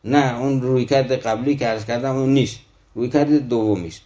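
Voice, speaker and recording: Male lecturer, mid-pitched, earnest; slow measured verse recitation followed by direct explanation. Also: warm tone. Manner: earnest, speaks straight to the listeners. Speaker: lecturer on Rumi's poetry.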